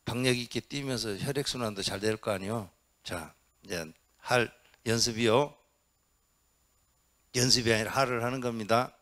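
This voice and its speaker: The voice is mid-range and steady, at normal speed: a middle-aged monk holding an interactive dharma talk inside a Buddhist hall. Putting questions to listeners and encouraging answers, he also demonstrates the shouts he mentions.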